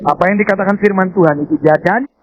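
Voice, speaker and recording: A man's voice: high voice, fast. A man with an Indonesian accent preaching a sermon as a pastor, telling stories and acting out what people said. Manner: animated storytelling preacher, acts out quoted speech. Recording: dull lo-fi sermon audio.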